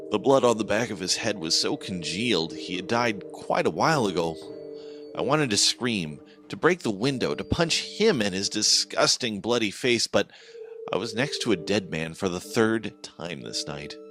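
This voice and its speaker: A man narrating a first-person horror story in a tense, dramatic manner over background music. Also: low-pitched. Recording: music playing behind.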